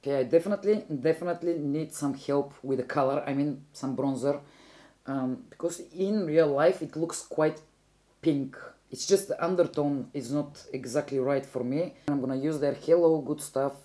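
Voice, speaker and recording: A woman's voice: deep voice, moderate pace, mellow. A young woman from Bulgaria with a Bulgarian accent, chatting casually through a makeup tutorial and often correcting herself mid-sentence. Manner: chatty, rambling, self-correcting. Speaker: beauty vlogger.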